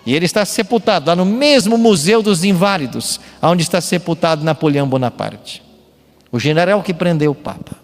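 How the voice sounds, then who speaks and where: A man's voice: on the high side, animated, a little fast. A Brazilian man preaching a sermon as a pastor, didactic and emphatic, often posing rhetorical questions. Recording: long hall reverb with music behind. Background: music.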